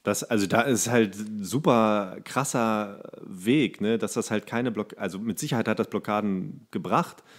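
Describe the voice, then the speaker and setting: A man's voice: lowish voice, moderate pace, few pauses. A man co-hosting a casual comedic podcast, telling stories in slang and acting out imagined quotes. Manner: slangy, animated storytelling with acted-out quotes. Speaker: podcast co-host.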